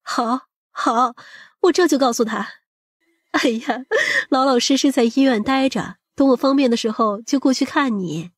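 A woman performs a protective, scheming middle-aged mother in an audiobook drama. Her voice is on the high side and husky, recorded dry. She speaks emphatically, with a scolding, exclamatory edge. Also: normal speed, dry recording. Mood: excited, joyful.

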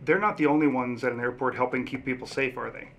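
A man's voice: mid-range voice, steady tone, fast, fairly bright tone, highs cut off, slight background noise. A middle-aged man hosting an educational question-and-answer session in a conversational style. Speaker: host interviewer. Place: small indoor office set. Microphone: desktop microphone shared at a table.

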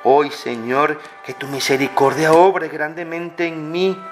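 A man leading a slow, fervent spoken prayer, pleading and pausing often. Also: fairly high pitch, flat delivery. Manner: pleading, fervent, many pauses. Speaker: prayer leader. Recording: clear music bed under the voice. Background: music.

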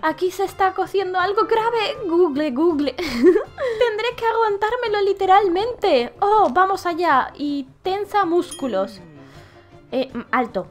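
High-voiced, animated woman gamer. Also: measured pace. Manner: reads game dialogue aloud in playful put-on voices. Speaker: gameplay video creator. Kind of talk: playful gameplay commentary. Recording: faint music behind.

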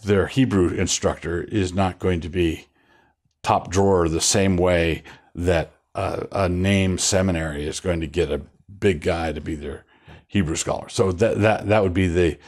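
An older man, a pastor, talking in a relaxed studio interview, wandering through his points with restarts and a wry chuckle, on a lapel mic. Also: low-pitched, measured pace. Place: studio set with bookshelves.

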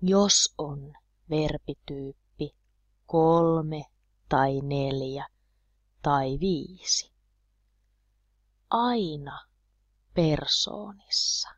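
Slow, deliberate low-voiced woman teacher. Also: no room sound. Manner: slow, deliberate, repeating words clearly for learners. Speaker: Finnish language teacher. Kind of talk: slow language lesson.

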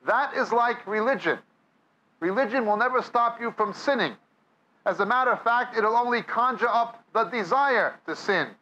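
A man's voice: very high voice, expressive, normal speed, bright, forceful tone, dull audio. A man with a New York accent preaching a sermon, reading scripture aloud and then explaining it to a live audience. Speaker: Bible teacher. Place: church or meeting hall with audience.

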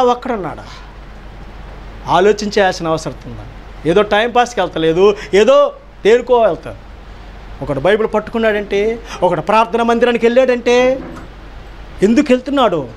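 A man pastor delivering a sermon, emphatic, firing rhetorical questions and repeating key phrases. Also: very high voice.

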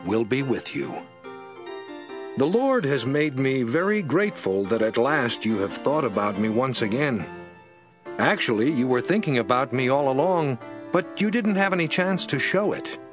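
A man giving a measured, expressive scripted reading of scripture as narrator. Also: fairly high pitch. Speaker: Bible reader. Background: background music.

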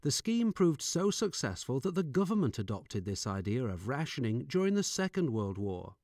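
A middle-aged man with a soft Northern English accent reads scripted corporate narration in a measured, informative storytelling manner, close on a studio microphone. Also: mid-range voice, very animated, no room sound. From Northern England. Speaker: voice-over artist. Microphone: studio microphone with pop shield.

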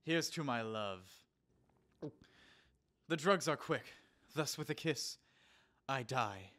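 A man's voice: medium pitch, expressive, slow pace, sharp tone. A man as a grandiose lovestruck young Romeo. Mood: grieving. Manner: declamatory, grandiose. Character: earnest high-schooler hammily playing lovestruck Romeo on stage. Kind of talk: theatrical Shakespearean audio drama acting.

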